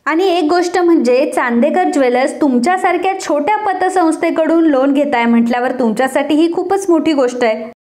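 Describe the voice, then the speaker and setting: A woman voicing a sharp-tongued middle-aged matriarch, snapping and commanding, in a serial recap. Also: sits high, fairly quick, lightly acted.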